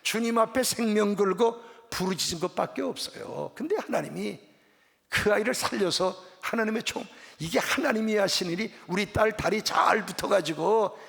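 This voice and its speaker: A man's voice: sits high, moderate pace, vocal fry. A middle-aged man preaching a revival sermon as pastor, telling stories and acting out the dialogue. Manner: animated storytelling, acts out dialogue. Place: church sanctuary. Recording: reverberant church hall.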